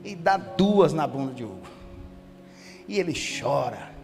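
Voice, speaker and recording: Pastor giving an animated sermon, hall reverb, live guitar underneath. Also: male voice, a little high, unhurried, creaky. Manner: animated storytelling with quoted family dialogue. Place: church sanctuary. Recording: church hall reverb with music behind. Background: guitar music.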